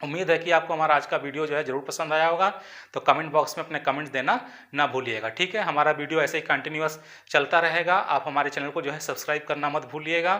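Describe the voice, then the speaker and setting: A man's voice: fairly high pitch, bright, forceful tone. A man teaching an exam-prep grammar lesson, explaining step by step, repeating points and often checking in with "okay". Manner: mixes English terms into Hindi explanations.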